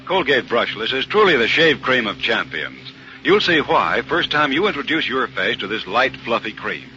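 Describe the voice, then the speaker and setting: A man's voice: medium pitch, big pitch swings, moderate pace, sharp tone. An American man reading a 1940s radio commercial as a polished, punchy old-time narrator and announcer. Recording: narrow vintage radio sound, background noise.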